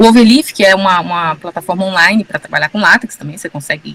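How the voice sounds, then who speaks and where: A woman's fairly low voice at a very fast pace, with a dry, close sound and no echo. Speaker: lecturer teaching R. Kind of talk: online lecture.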